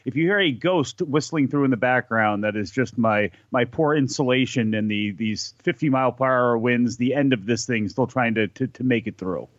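A man's voice: mid-range voice, moderate pace, hardly any pauses, no room sound, highs cut off. A man chatting as a podcast guest from home, telling long rambling stories that he often breaks off and restarts. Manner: rambling, self-interrupting storyteller. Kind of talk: casual podcast conversation. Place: home during a storm.

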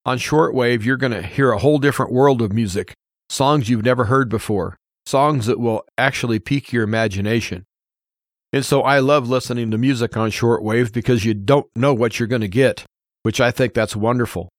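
A man's voice: medium pitch, normal speed, no room sound, clean studio sound. An American man hosting a radio show, talking informally and giving his opinions in an earnest, plain-spoken way, often repeating points for emphasis.

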